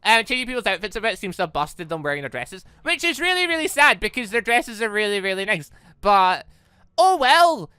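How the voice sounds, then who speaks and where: An excitable, chatty let's player giving casual reaction commentary on a video game. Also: mid-range voice, a little fast, clear, resonant tone, no room sound.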